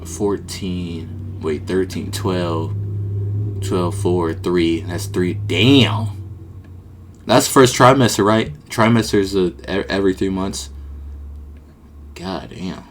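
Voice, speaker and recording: A man's voice: deep voice, slow pace, long pauses, a little hiss or hum. A young man streaming, chatting casually and swearing as he reacts to a documentary. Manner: slangy, swearing, talks back to the video. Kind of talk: casual live reaction chat.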